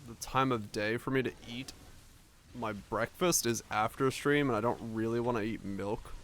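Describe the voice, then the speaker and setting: A man's voice: medium pitch, moderate pace, fairly bright tone. A young man from Finland with an American accent, chatting loosely with his stream viewers, rambling and swearing with many restarts. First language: Finnish. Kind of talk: casual chat with stream viewers.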